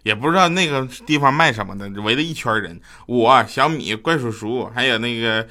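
A man's voice: medium pitch, a little fast. A man with a Northeastern Chinese accent hosting a comedy podcast, chatting casually and playfully and often breaking into laughter. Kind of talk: casual comic chat reading listener messages and telling jokes. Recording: loud background music. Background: music.

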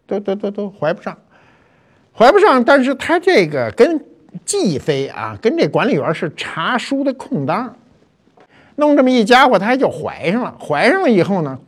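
Older man telling history with lively pitch. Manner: chatty, colloquial, lively asides. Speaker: host. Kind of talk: storytelling talk show.

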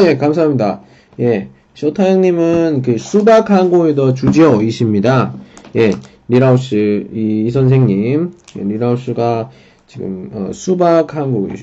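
A man teaching a casual livestream language lesson, unhurried and dropping in frequent filler acknowledgements. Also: medium pitch, mellow, muffled recording.

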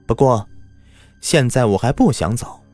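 A man's voice: mid-range voice, animated, a little slow, a little mellow, soft background music. A man voicing a smug, haughty white fox spirit that has possessed a village wife, speaking in a sneering, mocking way. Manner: sneering, mocking, nasal snorts.

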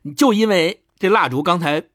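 A man's voice: high voice, moderate pace, fairly bright tone, no room sound, clean studio sound. A man voicing a stern old male sorcerer in a retold folk tale, scolding and accusing his apprentice.

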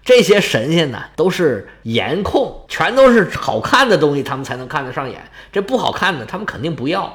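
A man's voice: on the high side, big pitch swings, fairly quick, few pauses, fairly bright tone. A man voicing a sly, scheming trickster god in a told myth.

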